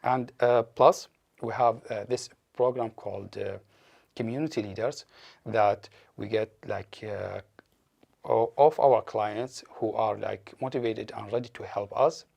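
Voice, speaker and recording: A man whose native language is Arabic, answering interview questions in a halting way with many fillers. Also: on the low side, steady tone, gravelly, a little mellow. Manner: hesitant, many fillers and restarts. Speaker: staff member at a refugee support organization.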